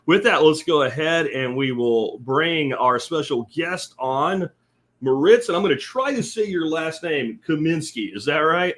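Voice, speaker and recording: A man's voice: fairly high pitch, expressive, unhurried, a bit bright. A middle-aged man from central Pennsylvania hosting a podcast, talking in a casual, folksy and emphatic way, including sponsor reads. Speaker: podcast host.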